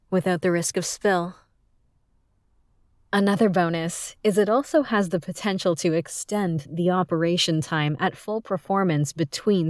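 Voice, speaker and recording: A woman voicing a polite, teasing service technician who gives a smooth customer-service pitch in an audio roleplay and calls the listener sir. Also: a little mellow, no echo, studio quality.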